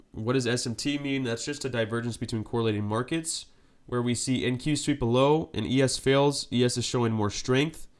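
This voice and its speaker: A man with a cold and a congested voice, giving live market commentary on his stream and checking in with a frequent "right?". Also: mid-range voice. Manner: steady explanatory, frequent "right?" check-ins.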